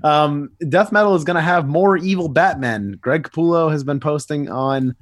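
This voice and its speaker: A man's voice: on the high side, normal speed, no room sound, studio quality. Hesitant male podcast co-host. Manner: hesitant, with frequent "uh" fillers and stuttered restarts. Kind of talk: casual chat.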